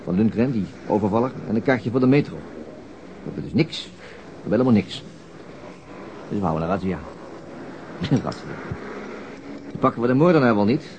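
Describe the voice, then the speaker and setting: A noisy old radio drama recording of an actor as a male police detective with a fairly low voice. He is weary and cynical, speaking with a dry, sarcastic gloom. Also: lo-fi sound, close to an everyday voice. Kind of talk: naturalistic radio drama acting.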